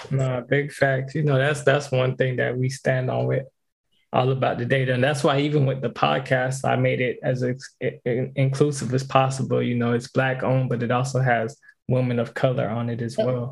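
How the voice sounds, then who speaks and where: In a somewhat breathy, medium-pitched voice, a man talks at a moderate pace with monotone, flat intonation. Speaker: podcast host. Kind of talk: casual chat.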